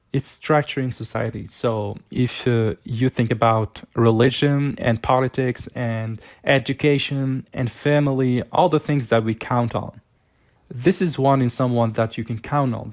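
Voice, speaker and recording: A man hosting a tarot reading, explaining the cards to the listener in an informal, conversational way as he thinks aloud. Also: medium pitch. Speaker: tarot reader, channel host.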